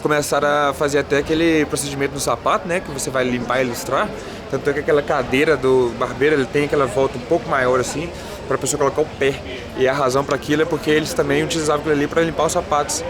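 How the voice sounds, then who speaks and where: Higher-pitched Brazilian man amid street crowds. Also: level tone, fast talker. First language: Portuguese. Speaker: travel vlogger, host. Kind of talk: casual street vlog and chats with passers-by. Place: city streets, outdoors. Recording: busy street crowd noise.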